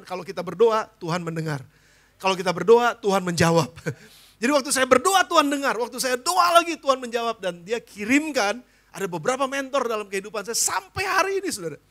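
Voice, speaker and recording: A man's voice: very high voice, bright, forceful tone. A man in his fifties, a pastor from Indonesia, preaching a sermon to his congregation, often asking them questions and slipping into casual slang. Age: 50s. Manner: addresses congregation as "Saudara", asks questions, mixes casual slang. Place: church.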